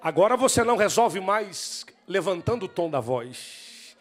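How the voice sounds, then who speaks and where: A man's voice: high voice, sing-song, unhurried, exaggerated voice. A male pastor voicing God as a firm, commanding figure in a sermon story. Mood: stern. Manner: firm and insistent, building to shouts.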